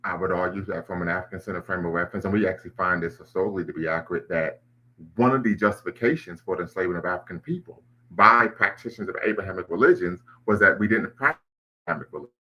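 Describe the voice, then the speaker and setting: A man's voice: low voice, racing, sharp tone, rough recording. A man hosting a live online discussion, lecturing at length and citing history, with frequent restarts. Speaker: livestream host.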